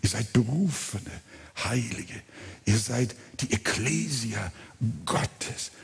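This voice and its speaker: A man's voice: mid-range voice, slow pace, gravelly, husky. A man preaching a sermon, emphatic and speaking straight to his congregation. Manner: emphatic, addresses the congregation directly. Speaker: pastor. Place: church. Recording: long reverb of a church hall.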